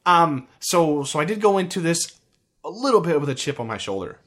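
An American man co-hosts a video game podcast, his voice a little high, sing-song, brisk and slightly bright. The chat is casual and rambling, full of restarts and fillers.

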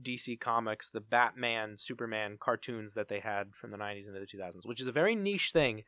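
A man's voice: on the low side, a little fast, pushed and bright, no room sound. A man co-hosting a podcast, chatting casually and rambling in a playful way. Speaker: podcast co-host. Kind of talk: casual, rambling pop culture chat.

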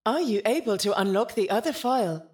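A woman playing a ship's AI in an audio drama, formal, literal and gently concerned, with precise, stilted wording. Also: medium pitch, lively intonation, a little fast, lightly acted. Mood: flat, puzzled.

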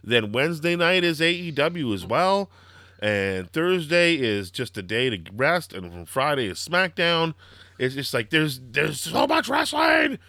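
A young man with a slightly hoarse, throaty voice, hosting a casual wrestling podcast and rambling excitedly with lots of fillers. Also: fairly high pitch, measured pace, dry recording, studio quality. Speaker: podcast host.

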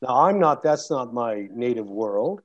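Fielding questions in a panel Q&A, this audiobook narrator thinks aloud, frequently breaking off and beginning sentences again. He speaks unhurriedly and animatedly at a medium pitch, captured in a muffled lo-fi recording.

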